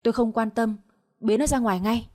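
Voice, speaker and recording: A woman's voice: a little high, steady tone, brisk, a little mellow, natural voice. A woman voicing a cruel older mother-in-law who scolds with harsh contempt. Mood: scolding.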